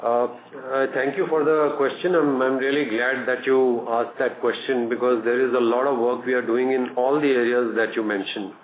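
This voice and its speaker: A man with an Indian accent speaks as a company executive on an earnings call. His delivery is measured and halting, businesslike in manner. The sound is a narrow, echoey phone line with clear noise. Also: medium pitch, steady tone. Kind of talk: answering questions on an earnings call. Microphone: conference phone call. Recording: echoey tinny conference phone line, noisy.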